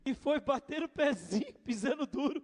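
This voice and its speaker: Male pastor, high voice, storytelling sermon, long church-hall reverb. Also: expressive, moderate pace, slight background noise. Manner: storytelling preacher, addressing the congregation as brothers.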